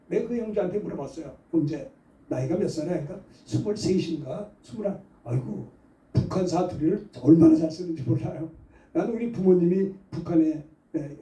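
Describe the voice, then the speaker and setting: Middle-aged pastor preaching in an echoey church. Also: male voice, sits high, dark tone. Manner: conversational storytelling, building to fervent exhortation. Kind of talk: Sunday sermon with storytelling. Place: church sanctuary. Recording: echoey church hall, mic at a distance.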